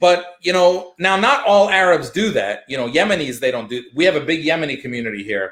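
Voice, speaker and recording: A man's very fast, animated delivery with a Midwestern accent and very wide pitch swings. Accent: American Midwest. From US Midwest, Michigan. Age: 40s. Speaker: comedian. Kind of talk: casual interview.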